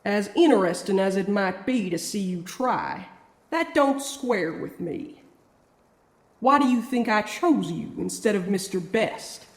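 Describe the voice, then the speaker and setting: Woman playing a slow, echoing cowboy spirit. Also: mid-range voice, expressive, natural voice. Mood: sly, folksy. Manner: drawling, cocky, menacing. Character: folksy, scheming cowboy spirit, a mysterious drifter. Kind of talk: audio drama acting.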